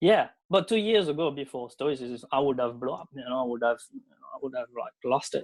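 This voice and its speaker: This man's voice sits fairly high in pitch. His intonation is lively. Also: fairly quick pace, big swings in loudness, dry, close sound with no echo. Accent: French. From France. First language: French. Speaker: father, guest. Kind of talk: casual chat.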